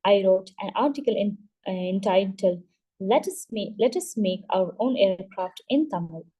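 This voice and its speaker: A woman hosting a book club, reading a memoir aloud at a steady pace and now and then stumbling and restarting a word. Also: mid-range voice, moderate pace, rough recording.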